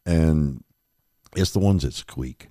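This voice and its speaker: Very deep, dark-voiced man. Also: slow, no echo, studio quality. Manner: rambling, laid-back storytelling. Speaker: podcast host. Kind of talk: casual chat.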